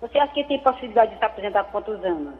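A woman calling in over the phone to a radio show, asking a question in a hesitant, halting way. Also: mid-range voice, lively intonation. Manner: hesitant, halting, repeats herself. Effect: heard over the phone. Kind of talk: call-in question. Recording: tinny phone line with reverb.

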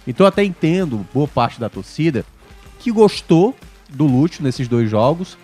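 A man's voice: a little high, big pitch swings, moderate pace, a little mellow, husky, soft background music. A man from gives casual, conversational sports commentary on a podcast. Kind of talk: casual sports chat and analysis.

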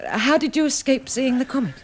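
A woman's voice: high voice, very animated, fairly quick. An actress playing a shaken, polite, well-bred young woman with an English accent in a 1960s radio drama, speaking hesitantly. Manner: hesitant, breathless restarts, polite. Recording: old radio recording, faint noise.

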